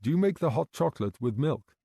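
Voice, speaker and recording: Man doing a patient detective, gentle measured questions, mellow voice, lively intonation. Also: fairly high pitch, gravelly, breathy edge, no room sound, clean studio sound, voice pushed up, heavily acted. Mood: calm. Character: calm, patient male detective.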